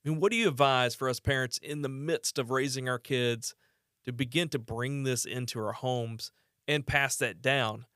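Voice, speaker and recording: A man's voice: medium pitch, fairly even intonation, moderate pace, fairly bright tone, no room sound, studio quality. A man in his forties hosting a faith and parenting podcast, asking his guest questions in an earnest, conversational way. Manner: earnest, conversational, with brief laughs. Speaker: podcast host. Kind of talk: podcast interview.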